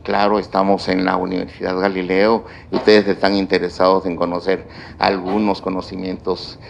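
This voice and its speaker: A man giving a university lecture on grammar, speaking deliberately and listing points one by one. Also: low voice, monotone, gravelly, dull audio, slight background noise. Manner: slow, deliberate delivery with stretched pauses and lists. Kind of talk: classroom lecture on grammar and writing.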